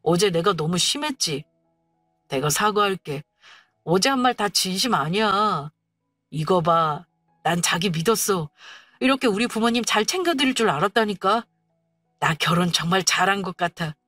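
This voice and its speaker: A woman voicing a young husband in a story drama, first pleading, then shouting insults. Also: mid-range voice, animated, normal speed, no room sound, faint music behind. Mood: apologetic. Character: young male husband, sulky then angry.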